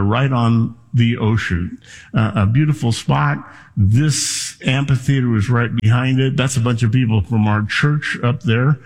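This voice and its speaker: Male pastor, sermon, conversational, explanatory, halting with fillers, mid-pitched, long hall reverb. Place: church sanctuary.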